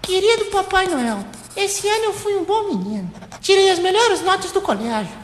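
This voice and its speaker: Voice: very high voice, very animated, normal speed, echoey room, slight background noise. A woman voicing an earnest, polite little Brazilian boy with a childlike manner in a comedic amateur radio play.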